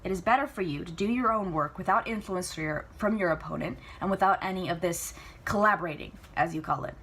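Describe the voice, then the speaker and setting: A woman reader plays a contemptuous old magician, now a ghostly father. The delivery is curt and disapproving, brushing objections aside in a storybook manner. The recording is clearly noisy. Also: on the low side, quick pace, fairly bright tone. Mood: cold, contemptuous. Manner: curt, dismissive. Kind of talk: storybook character reading.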